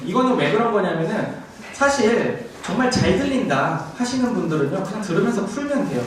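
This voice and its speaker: Man, classroom lecture, animated intonation, slightly high voice, distant mic, faint hiss. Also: heavy reverb. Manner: explains step by step, often checks in with the class. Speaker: TOEIC instructor. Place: classroom in a language school.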